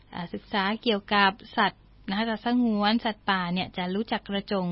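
A woman's voice: medium pitch, no echo, dull audio. A woman teaching English through a story, reading lines aloud, then explaining and spelling out words in a polite, patient manner. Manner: frequent polite particles, slow careful reading. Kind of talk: bilingual storytelling lesson.

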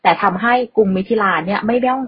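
Husky fast-talking woman on radio. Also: medium pitch, no echo. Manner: polite, adds frequent soft particles. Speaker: radio storyteller. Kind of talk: radio storytelling and sign-off. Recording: dull lo-fi radio sound.

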